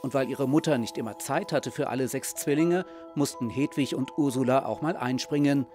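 A man's voice: medium pitch, brisk, music in the background. A man narrating a TV feature report in a light, wry scripted style.

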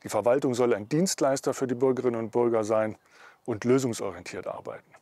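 A man in his forties making a measured, formal statement as a mayoral candidate. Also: mid-range voice, warm tone, no echo. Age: 40s. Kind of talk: campaign interview statement.

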